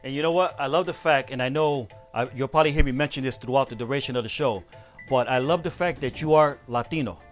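A man's voice: medium pitch, fast, soft background music. A man hosting a casual studio interview, upbeat and affirming. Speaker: interview host.

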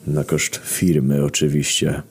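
A man voicing a suave, smirking male devil who owns a nightclub, speaking low, slow and silky. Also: flat delivery, vocal fry, breathy edge, heavily acted. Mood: silky menace.

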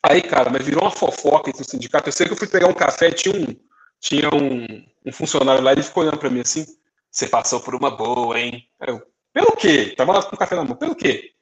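A man's voice: on the high side, racing, low-quality recording. A young adult man from Brazil, co-hosting a casual podcast chat and telling stories, acting out the people in them with quoted voices. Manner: animated, acts out dialogue in quoted voices. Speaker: podcast co-host.

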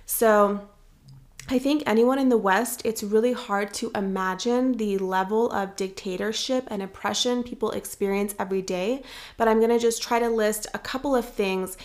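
A young woman hosting a podcast, speaking in an earnest, measured and reflective way. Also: medium pitch. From United States. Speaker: podcast host. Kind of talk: scripted podcast commentary.

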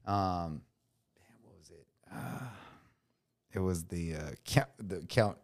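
A man's voice: low-pitched, slow, vocal fry. A man with a slight Latino accent and Spanish as his first language, telling stories casually and with slang in an interview. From United States. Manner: relaxed, slangy storytelling with frequent fillers. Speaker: guest, combat veteran.

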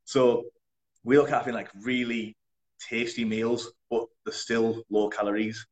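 A young man, a personal trainer, answering in a relaxed, chatty way with blunt wording and frequent laughs. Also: medium pitch, unhurried. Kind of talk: casual interview.

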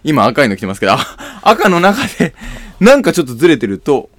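Quick, lively young man co-hosting. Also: fairly high pitch. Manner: animated, quick storytelling. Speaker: podcast co-host. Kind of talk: casual radio chat.

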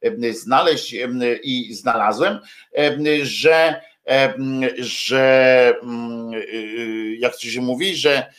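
A man hosting a live stream speaks at an unhurried, slow pace, his pitch sitting in an ordinary middle range. He rambles casually, stalling on filler sounds and restarting sentences, and slips in jokey asides to his viewers. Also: fairly bright tone. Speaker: livestream host.

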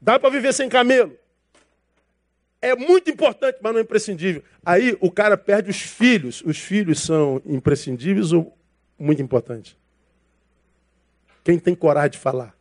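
Pastor guy preaching, high voice, real laid back and slangy, keeps saying brother, acts out little conversations. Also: normal speed, long pauses. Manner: casual, slangy preaching that calls listeners brother; acts out dialogue from his stories. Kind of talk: sermon.

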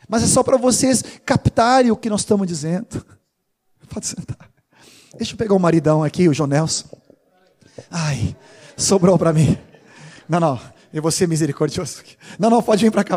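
A man, preaching a sermon as pastor, animated and teasing, with informal asides. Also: sits high, fairly quick.

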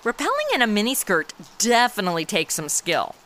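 A woman in her 20s plays a brash, flippant amateur detective in a comedy audio drama, using a mid-range, slightly bright voice with huge pitch swings and a fairly quick pace. Her sassy, slangy delivery is full of self-absorbed wisecracks, and her narration is wry.

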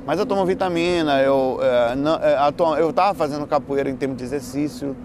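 A man with a Bahian Brazilian accent and a slightly high voice talks in a loose, casual chat. He is playful and slangy, often breaking off and restarting his sentences. Traffic and street noise are clearly heard behind him. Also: brisk, a little mellow. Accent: Bahian Brazilian Portuguese. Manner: colloquial, slangy, playful, with repeated false starts and self-interruptions. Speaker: speaker answering audience questions on spirituality and lifestyle.

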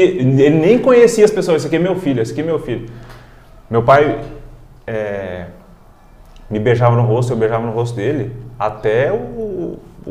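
A man's voice: medium pitch, darkish tone, roomy sound. A man, telling a personal story as a guest in an interview, emotional and heartfelt. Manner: emotional, heartfelt, frequent "cara". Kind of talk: casual storytelling in a podcast interview.

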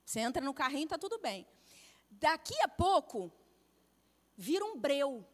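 A middle-aged Brazilian woman delivers a sermon in a high, bright voice, acting out the people in her stories. Her voice rings with a long reverb, as if she is speaking in a large hall. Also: unhurried. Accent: Brazilian Portuguese. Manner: storytelling, animated with acted-out quotes. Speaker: pastor's wife preaching.

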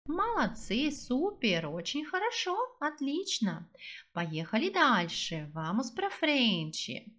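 A woman teaching a language lesson, patient and explaining step by step, slowing down for example phrases. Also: high-pitched, sing-song, pushed and bright. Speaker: Russian teacher.

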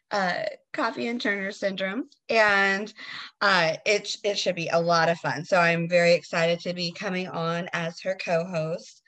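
A woman from Texas, co-hosting a podcast, friendly and halting with lots of um and uh pauses. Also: mid-range voice, fairly bright tone. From Southern US, Texas. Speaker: podcast co-host and author. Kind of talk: casual podcast chat.

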